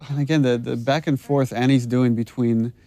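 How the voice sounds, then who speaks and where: A man's voice: mid-range voice, steady tone, normal speed, mellow, no room sound. A man, the game's director, chatting enthusiastically over cutscenes in a commentary. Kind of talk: developer commentary.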